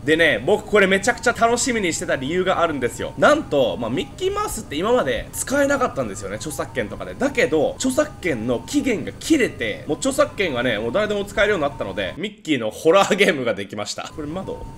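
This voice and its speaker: Young guy doing horror game commentary, super lively voice jumping up and down, chats to viewers. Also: a little high, fast talker, few pauses, soft background music. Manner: animated, chatty, talks to viewers. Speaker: gaming channel host.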